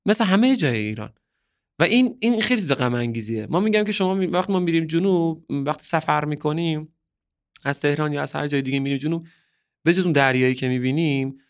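A man's voice: on the high side, clean tone. Earnest, opinionated man from southern Iran. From Bushehr, southern Iran. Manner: opinionated, earnest, heated at times. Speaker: podcast guest, musician. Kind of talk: casual podcast conversation.

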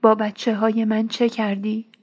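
A woman's voice: on the high side, flat delivery, darkish tone, natural voice. A woman reading the lines of a proud old tribal father in his grief, pleading and anguished.

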